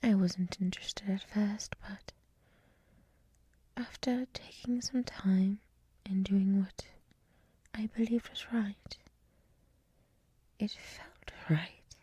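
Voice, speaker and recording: A gentle dryad librarian played by a woman whispers in a very breathy, airy voice with a dark, mellow tone. She takes her time, hushed and reflective, in a soothing ASMR roleplay recorded close and dry. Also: medium pitch, steady tone, slow, long pauses, no echo. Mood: wistful, confiding. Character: gentle soft-spoken female dryad head librarian. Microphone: close microphone.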